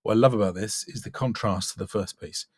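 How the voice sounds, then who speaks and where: A man giving an off-the-cuff spoken critique as a coach, measured and considered. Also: lowish voice. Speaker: voice-over coach.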